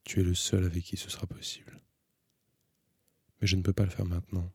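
A soft-spoken young wife, voiced by a male audiobook reader, speaks in a hushed, halting way. The low, husky voice stays dark and flat, with barely a lift above the reader's own, in a dry, close recording. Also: no room sound, full character voice. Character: quiet grieving young wife opening up. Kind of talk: audiobook reading.

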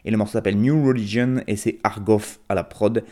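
Low-voiced male radio music host. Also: flat delivery, fast, warm tone. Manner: informal, self-deprecating. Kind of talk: casual music radio presentation.

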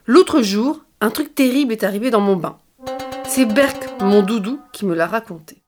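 A mother reading a children's bedtime story aloud into a phone, in a lively, sing-song storytelling manner. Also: on the high side, normal speed, faint music behind.

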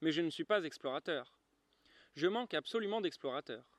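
Vieux géographe pompeux, savant imbu de lui-même, joué par un lecteur, voix nette et sèche. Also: male voice, a little high, expressive, fairly quick, no room sound, natural voice. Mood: lofty. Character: old male geographer, pompous scholar.

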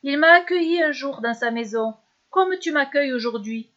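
An earnest, thoughtful young king from a storybook, as a woman narrator puts him on. He speaks solemnly and sincerely in a high-set voice, and the recording sounds slightly dull and lo-fi. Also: lively intonation, normal speed, fairly bright tone.

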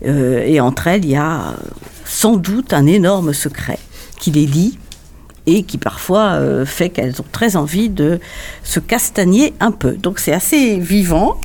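A woman's voice: low-pitched, dark tone. A woman from a theatre company, guest on a local radio show, chatting casually with frequent hesitations.

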